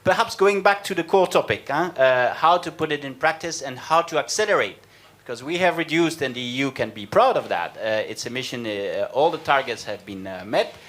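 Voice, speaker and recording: A man's voice: medium pitch, expressive, fairly quick, hardly any pauses, fairly bright tone. A man moderating a panel discussion, speaking hesitantly with many fillers and polite restarts.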